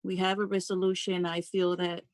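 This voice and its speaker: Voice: medium pitch, level tone, moderate pace, dry recording. A board trustee speaking up at a public meeting over a video call, earnest and insistent, repeating key phrases.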